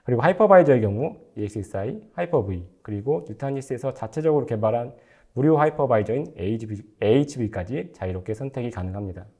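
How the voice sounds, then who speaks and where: A man's voice: medium pitch, expressive, fast talker, darkish tone, breathy edge. A man presenting a prepared technical webinar lecture in a formal, explanatory manner. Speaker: technical lecturer, company engineer.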